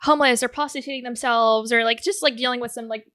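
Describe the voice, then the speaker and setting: High, sweet-voiced young woman. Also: steady tone, quick pace, bright, forceful tone. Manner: smiley, giggly, sweet-voiced. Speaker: podcast co-host. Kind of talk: casual chat.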